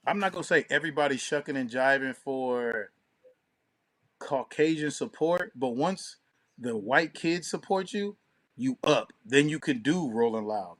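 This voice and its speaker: A man's voice: medium pitch, fairly bright tone. A man co-hosting a casual podcast, talking in an opinionated, emphatic, slangy and profane way. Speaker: podcast co-host and DJ.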